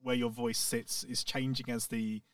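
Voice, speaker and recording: A man's voice: mid-range voice, little pitch movement, unhurried, clear, resonant tone, no echo, studio quality, distant mic. A man hosting a podcast, asking thoughtful, hesitant interview questions. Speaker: podcast host.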